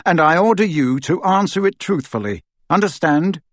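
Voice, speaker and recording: A determined teenage boy wizard, fierce and commanding, with urgent, rising questions, as a man reads him. His voice is lifted and strained above a plain reading voice, slightly husky, in a dry close sound. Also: on the high side, expressive, normal speed, dry recording, voice pushed up. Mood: firm. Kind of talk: audiobook character voice.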